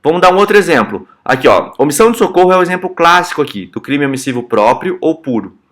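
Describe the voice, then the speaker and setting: A man's voice: fairly high pitch, very animated, fast, a bit bright. A young Brazilian man teaching criminal law in a casual, explanatory lecture style, often checking in with his students. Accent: Brazilian Portuguese. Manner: conversational, checks in with "tá?" and "certo?".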